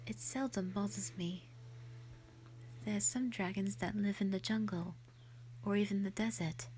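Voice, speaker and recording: A woman voicing a gentle, lonely female white dragon in a roleplay audio drama, speaking softly and breathily in a sweet, formal, hesitant way. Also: mid-range voice, steady tone, normal speed, slight background noise, natural voice. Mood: gentle, reassuring. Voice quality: soft, breathy, often whispery.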